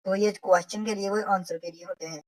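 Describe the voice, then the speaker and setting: A woman's voice: mid-range voice, steady tone, fairly quick, dry recording, poor audio. A woman, teaching a recorded language lesson from a textbook. She explains step by step and repeats the example phrases.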